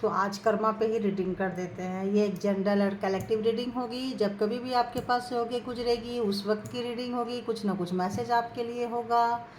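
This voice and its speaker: A woman's voice: a little high, fairly even intonation, moderate pace, a little mellow, reverberant, slight background noise, low-quality recording. A woman hosting a casual tarot reading for her viewers, talking in a chatty, coaxing way and checking in with them often. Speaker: tarot reader, channel host.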